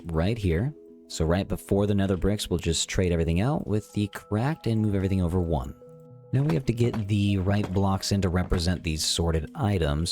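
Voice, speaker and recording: Male gaming host, lowish voice, slightly stuffed up with a cold, chatty think-aloud commentary, music underneath. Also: darkish tone. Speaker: host of a gaming video series. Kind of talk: casual gameplay commentary.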